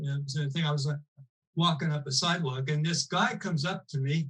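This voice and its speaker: A man with a western Canadian accent and a fairly high pitch. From Canadian prairies, Saskatchewan. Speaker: author and spiritual seer. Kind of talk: interview storytelling. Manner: halting, many restarts.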